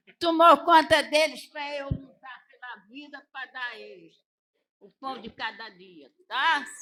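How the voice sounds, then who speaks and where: A woman with a high pitch uses a raised, projected voice at a very slow pace, with big swings in loudness and ordinary pitch variation. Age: 80s+. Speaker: elderly church member honored by family. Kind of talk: testimony. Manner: halting.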